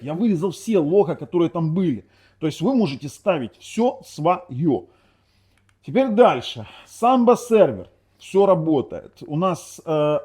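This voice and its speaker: Lively, mellow-voiced man demoing a TV box. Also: high-pitched, slightly rough. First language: Ukrainian. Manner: rambling, self-correcting, with sarcastic asides. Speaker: tech reviewer. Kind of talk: casual product demo talk.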